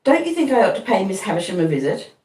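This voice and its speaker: An eager young apprentice, earnest and pleading as he makes his case, read aloud by a woman. The voice moves with lively pitch. It comes through roomy and a little distant. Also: fast, close to an everyday voice. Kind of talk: audiobook reading.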